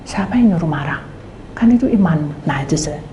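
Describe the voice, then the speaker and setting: A woman's voice: low voice, fairly quick. A middle-aged woman pastor, telling a sermon story and acting out each side of the conversation, sometimes dropping to a whisper. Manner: animated storytelling, acting out both sides of conversations, drops to whispers. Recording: echoey room with faint background noise.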